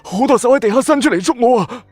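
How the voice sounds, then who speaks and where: A man's voice: very high voice, lively intonation, fast, darkish tone, no room sound, faint music behind, pitched above the performer's own voice. A man voicing a terrified, delirious soldier in a horror story, pleading in panic. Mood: delirious terror. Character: terrified delirious male soldier babbling about snakes.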